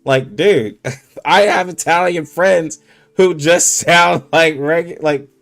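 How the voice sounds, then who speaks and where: A man's voice: fairly high pitch, slow, creaky, fairly bright tone. A man streaming games, chatting casually with heavy slang and many "like" fillers, laughing often. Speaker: gaming streamer. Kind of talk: casual livestream chat.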